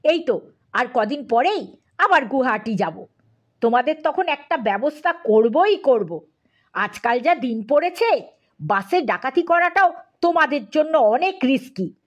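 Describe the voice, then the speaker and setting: A woman's voice: sits high, very animated, a little slow, full character voice. Woman as a timid, wheedling uncle. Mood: pleading, coaxing. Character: drowsy, timid, wheedling uncle on a night bus.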